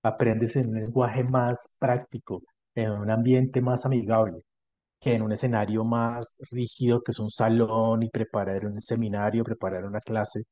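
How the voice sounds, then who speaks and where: A man with a Colombian accent, a dentist answering conversationally as an interview guest, explaining things in a measured way. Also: fairly low pitch, level tone, mellow, no echo. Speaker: podcast guest, dentist specialised in prosthodontics and implants.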